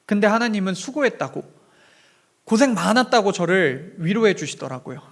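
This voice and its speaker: A man's voice: high voice, very animated, normal speed. A young man preaching a sermon in a church, telling a personal story in an earnest, heartfelt way. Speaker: pastor. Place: church sanctuary.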